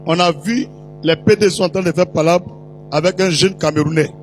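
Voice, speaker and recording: Animated, high-voiced male preacher. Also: moderate pace, faint music behind. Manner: animated, teasing, slips into put-on voices and shouts. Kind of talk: storytelling sermon to a congregation.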